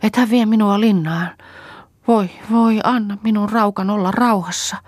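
A woman's voice: mid-range voice, darkish tone, no echo, clean studio sound, pitched above the performer's own voice, natural voice. A woman voicing a distraught, guilt-stricken young peasant woman who pleads and wails between sobs. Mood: wailing despair.

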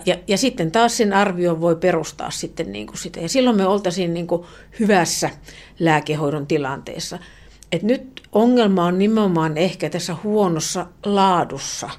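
A woman professor, a guest on a radio interview, explaining earnestly with many fillers and restarts, often trailing off softly. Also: on the low side.

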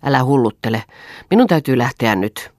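A woman's voice: rumbling low, lively intonation, darkish tone, dry recording, studio quality. A woman reading the part of an irritable, dismissive husband in an audiobook. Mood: curt. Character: cold, irritable husband Eero.

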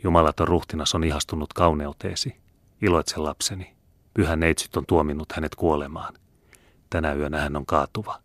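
A man reading the part of a scheming male Jesuit priest in a low, murmuring voice. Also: steady tone, fairly bright tone, no echo. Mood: hushed.

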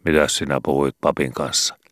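A man doing a gruff, domineering old father. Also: rumbling low, little pitch movement, a bit bright, no room sound, studio quality. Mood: commanding. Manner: barking, commanding, sarcastic. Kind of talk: audiobook character voice.

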